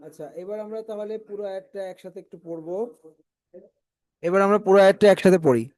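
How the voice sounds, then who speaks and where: A man teaching Quran reading. He spells out letters and vowel marks slowly, then stretches the words into drawn-out chanting for his class to repeat. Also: high voice, steady tone, a little mellow. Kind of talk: spelling out and drilling recitation.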